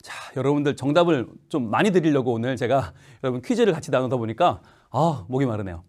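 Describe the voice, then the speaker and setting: A Korean male pastor gives a playful children's sermon, telling an animated story and peppering the kids with questions. He speaks at a quick pace in a mid-range voice.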